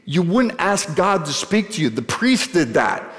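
A man's voice: high voice, sing-song, measured pace, a bit bright, faint music behind. A man in his forties delivers a sermon from a church stage, talking in a loose, conversational way and dropping wry asides to his congregation. His voice carries a long reverb tail from the large room around him. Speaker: pastor.

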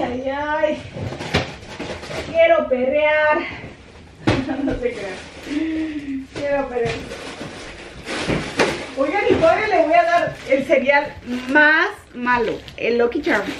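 A middle-aged woman vlogs casually from her home, moving through the kitchen and yard. Her high voice sounds far from the mic over background noise, and she tells stories in a chatty, animated way, slipping English words into her speech.

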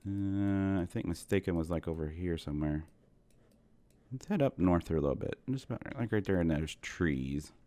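Somewhat sick and losing his voice, a man in his thirties plays Minecraft and chats to his viewers in a rambling, self-deprecating way for his gaming channel. He has a deep, mellow, expressive voice at normal speed, recorded with no echo.

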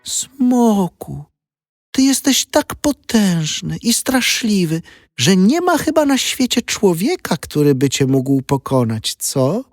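A man's voice: high voice, sing-song, slow pace, no echo, studio quality, voice pushed up, full character voice. A man voicing a sweet, sly young princess in a storybook tale, coaxing and wheedling. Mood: sweetly coaxing. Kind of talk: storybook character acting.

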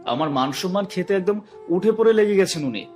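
Guy playing an annoyed embarrassed young groom, pretty high voice, fed up. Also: lively intonation, a little fast, darkish tone, soft background music. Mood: exasperated. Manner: defensive, exasperated.

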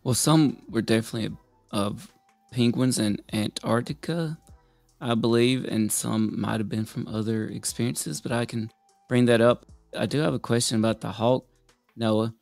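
A man's voice: medium pitch, steady tone, moderate pace, creaky, darkish tone, no room sound, faint music behind. A man co-hosting a podcast, musing and hesitant as he asks questions. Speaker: podcast host. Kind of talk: casual podcast chat.

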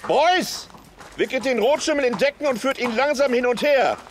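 An actor playing a shrewd middle-aged horse dealer in a radio play, commanding and hesitant with hums. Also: male voice, very high voice, moderate pace, slight background noise. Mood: relieved. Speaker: horse trader.

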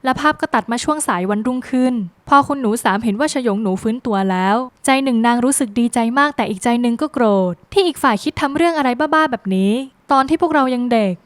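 A woman narrating a scripted drama plot recap in a brisk, lively storytelling manner with dramatic phrasing. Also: high voice, no echo.

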